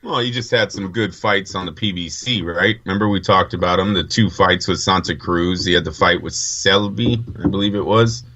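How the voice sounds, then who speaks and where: A man's voice: deep voice, moderate pace, hardly any pauses, pushed and bright, muffled recording. A man co-hosting a casual podcast chat, laying out his views in a laid-back, analytical way. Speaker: podcast co-host.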